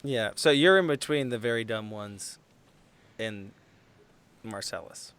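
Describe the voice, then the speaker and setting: A man's voice: lowish voice, lively intonation, measured pace, a bit bright, clean tone. A man chatting casually and jokingly as a player on a tabletop game podcast. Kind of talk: casual group banter.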